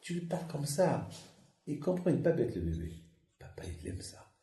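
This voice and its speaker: A man, a rabbi, preaching a sermon and telling stories with lively acted-out dialogue. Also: a little high, normal speed. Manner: lively storytelling, acts out dialogue. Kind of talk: sermon with anecdotes. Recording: echoey hall with faint noise.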